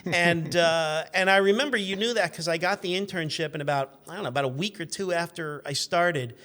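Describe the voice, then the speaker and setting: A man's voice: fairly high pitch, fairly quick, bright, forceful tone. A man in his fifties chatting as a guest, telling anecdotes casually with wry, self-deprecating humor. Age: 50s. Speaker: interview guest, car journalist.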